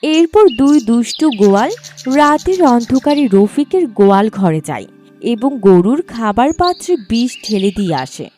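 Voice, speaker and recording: A woman's voice: a little high, very animated, moderate pace, warm tone, faint music behind. A woman narrating a scripted cartoon story as a storyteller.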